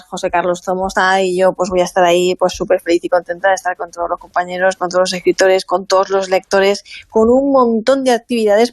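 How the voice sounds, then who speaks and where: Woman writer on a panel, lively and talkative, dry close sound. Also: mid-range voice, no room sound. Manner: enthusiastic, talkative. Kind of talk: casual panel discussion.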